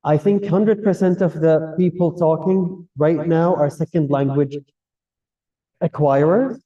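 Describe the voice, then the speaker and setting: A man's voice: a little high, fairly even intonation, unhurried, mellow. A man with a Kuwaiti Gulf Arabic accent, a native Arabic speaker, giving explanatory, semi-formal feedback as an evaluator at a speaking club. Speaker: general evaluator at a public speaking club meeting. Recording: distant mic, dull muffled sound.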